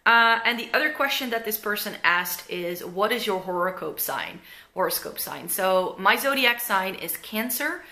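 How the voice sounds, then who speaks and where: A woman's voice: medium pitch, expressive, moderate pace, sharp tone. A young Dutch woman with a mixed Dutch and American accent, chatting casually to camera in her living room, rambling with plenty of fillers. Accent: Dutch with some American. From Netherlands. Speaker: beauty vlogger. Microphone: camera in front at close range.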